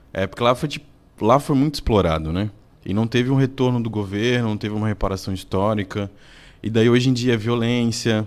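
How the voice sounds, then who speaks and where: On a very clean recording with a silent background, a man talks at a fairly quick pace in a medium pitch with ordinary pitch variation. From Northeast Brazil, Petrolina, Pernambuco. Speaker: artist leading a cultural project. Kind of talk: radio interview.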